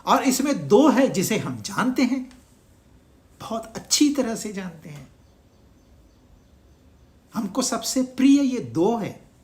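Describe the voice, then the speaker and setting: Spiritual teacher, unhurried, lively melody, rhetorical questions, scripture talk. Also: medium pitch. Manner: asks the listeners rhetorical questions; mixes in English words. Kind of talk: Hindi discourse on scripture.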